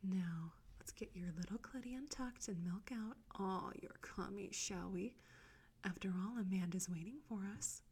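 A woman whispering close to the mic in a soft, coaxing, teasing audio roleplay. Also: mid-range voice, moderate pace, husky.

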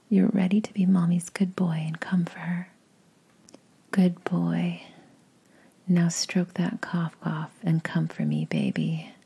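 A woman whispering close to the mic in a slow, coaxing, commanding voice for an intimate audio roleplay. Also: lowish voice, mellow, breathy edge. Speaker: adult audio performer.

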